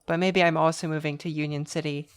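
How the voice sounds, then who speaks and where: A woman's voice: deep voice, steady tone, fast talker, smooth. A woman co-hosting a podcast in casual chat, wry and rambling, often restarting her sentences. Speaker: podcast co-host.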